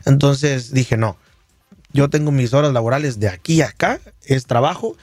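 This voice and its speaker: The radio guest, a singer with a Michoacán Mexican Spanish accent, narrates his story casually, rambling with lots of fillers and false starts. His voice is medium-pitched, a little mellow, and moderately paced, with a dry recording.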